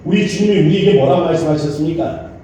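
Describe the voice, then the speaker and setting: A male pastor preaching dramatically, swinging between loud urgent peaks and hushed low asides. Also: quick pace, a little hiss or hum. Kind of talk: sermon. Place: church sanctuary. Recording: echoey church hall, mic far off.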